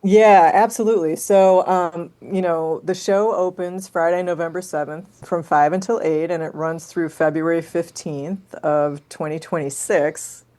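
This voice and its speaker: A woman with a low voice talks about gallery shows on a radio arts program. She sounds chatty and enthusiastic. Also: fairly even intonation, a little slow, few pauses, warm tone. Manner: chatty, enthusiastic, laughs easily. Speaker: gallery curator, guest. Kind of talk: radio interview.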